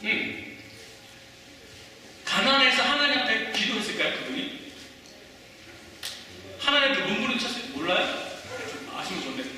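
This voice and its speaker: A man in his forties preaching in a high, sharp voice that leaps up and down as he fires questions at the congregation. He is heard from a distance in a big echoey hall, with a long reverb tail and a faint hiss behind him. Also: big pitch swings, normal speed, pauses often. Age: 40s. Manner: conversational, quizzing the congregation with questions. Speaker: pastor. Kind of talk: sermon. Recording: echoey hall, voice from far off the mic.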